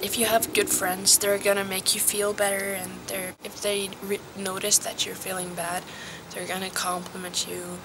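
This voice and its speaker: A teenage girl from Norway, giving casual advice in a vlog recorded outdoors. She talks softly and hesitantly, sometimes dropping to a whisper. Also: mid-range voice, little pitch movement, moderate pace, background noise. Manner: soft, hesitant, drops to a whisper at times. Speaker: vlogger.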